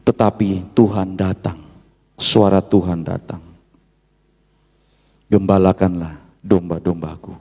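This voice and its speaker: A male pastor preaches with a gravelly voice. He sways between quiet, low confiding lines and sudden loud, high shouts, weaving in asides. His voice carries a long reverb from a large church hall. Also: steady tone, slow pace, pauses often. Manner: mixes Indonesian with Javanese asides. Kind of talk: sermon.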